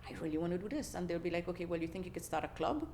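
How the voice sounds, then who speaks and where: Her voice strikingly low, a middle-aged Trinidadian podcast guest rattles off a personal story in casual interview style, rapid-fire. Frequent laughter and restarted sentences mark her easygoing delivery, with faint noise behind her.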